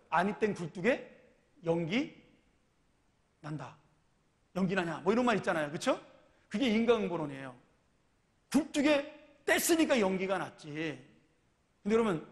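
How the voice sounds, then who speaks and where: A male pastor preaching a sermon in a chatty way, full of rhetorical questions, in a church. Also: high-pitched. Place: church sanctuary. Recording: church hall reverb.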